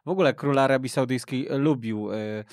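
A man hosting a radio football panel, speaking in a measured way and adding corrections, in a studio. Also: mid-range voice, no echo. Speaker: radio show host. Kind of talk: studio podcast discussion.

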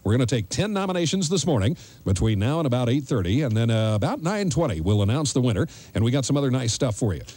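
A man's voice: mid-range voice, big pitch swings, fast, mellow, breathy edge. A middle-aged man hosting a live morning radio show with wry, folksy, joking banter, speaking into a studio microphone. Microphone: studio boom microphone with headset.

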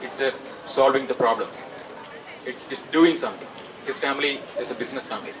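A young South Asian man addresses an outdoor gathering in a halting, hesitant way, with a mid-pitched voice. He speaks through a handheld microphone, picked up from a distance with loud outdoor noise around him. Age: 20s. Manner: halting, hesitant delivery with frequent pauses. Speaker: student activist speaker. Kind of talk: public protest speech. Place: outdoors at night, open-sided tent gathering. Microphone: handheld microphone through PA, recorded by camera.

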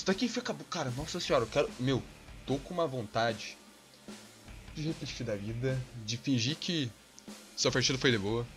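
Young Brazilian gamer host, Brazilian accent, edgy bright tone, quick to explode and curse at his match. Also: medium pitch. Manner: hot-tempered, swearing, sudden yelling bursts. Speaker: gaming channel host. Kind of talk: rage gameplay commentary.

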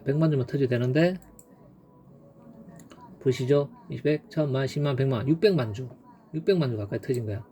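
A man's voice: mid-range voice, mellow, slight background noise. A man teaching stock chart trading in a casual, emphatic way, repeating key points and punctuating them with sound effects. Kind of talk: casual screen-share chart lesson.

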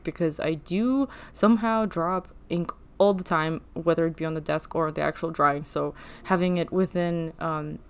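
A woman's voice: on the low side, clear, resonant tone. A young woman whose first language is Russian, rambling chattily in a casual voice-over while she draws, with fillers and laughs. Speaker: art channel host.

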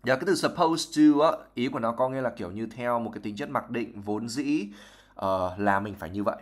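On a live stream, a young Vietnamese man teaches English vocabulary by reading novel passages aloud and then explaining each word at length, slipping English terms into his speech. His voice is medium-pitched and fairly quick.

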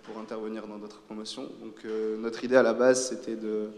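A man's voice: lowish voice, little pitch movement, a little fast, darkish tone, a little hiss or hum. A young man with a cold, a student organizer, speaking hesitantly with many fillers, heard from far off in a large hall. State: has a cold.

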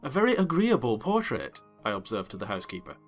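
A man playing an observant, refined gentleman, narrating formally and expressively in a dramatized literary reading. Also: mid-range voice, huge pitch swings, fast. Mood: admiring, curious. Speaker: audiobook narrator. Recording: music bed behind voice.

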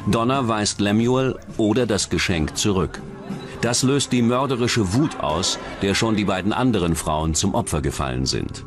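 A man reading scripted true-crime documentary narration in a measured, serious manner. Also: fairly low pitch, animated, music in the background.

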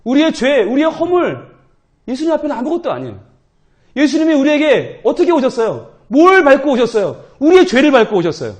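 A male pastor preaching at a church prayer meeting, animated and humorous, acting out people's inner voices. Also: very high voice, brisk. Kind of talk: sermon.

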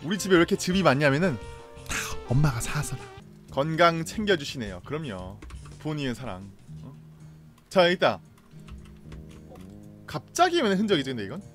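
A young man streaming a game live, reacting loudly, laughing and greeting viewers. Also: on the high side, very animated, moderate pace, pauses often, faint music behind.

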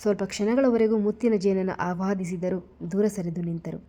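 A woman narrating a romantic suspense story with an expressive, dramatic delivery. Her voice is mellow and warm, with an even middle pitch. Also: moderate pace.

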